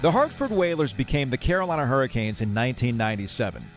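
A man's voice: mid-range voice, sing-song, fast, music in the background. A man hosting a sports podcast, narrating a scripted story about local sports.

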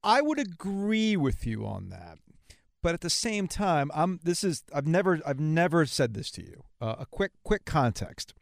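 A man's voice: a little high, very animated, normal speed, creaky, no room sound, studio quality. A man in his forties hosting a podcast, telling stories and putting questions to his guest conversationally. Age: 40s. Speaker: podcast host. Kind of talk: conversational interview, storytelling.

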